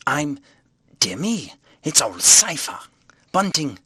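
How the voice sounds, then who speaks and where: Man playing a bright, fretful gentleman investigator. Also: on the high side, big pitch swings, takes it slowly, breathy edge, no room sound, clean studio sound, pitched above the performer's own voice, full character voice. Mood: eager, then frustrated. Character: irritable, earnest gentleman investigator, easily rattled.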